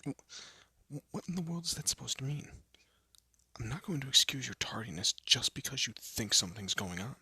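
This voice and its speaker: A man playing a haughty but secretly soft young elf prince in a scripted roleplay audio drama, with a pompous, formal manner and a breathy, often hushed voice. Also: medium pitch, sing-song, moderate pace, dry recording, heavily acted. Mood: haughty, indignant. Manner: pompous, formal, flustered stammering.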